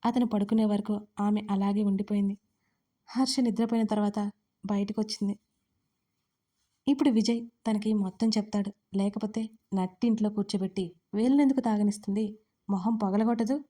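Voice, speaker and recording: A woman narrating a romance audio story in an even, expressive storytelling way. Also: medium pitch, normal speed, long pauses.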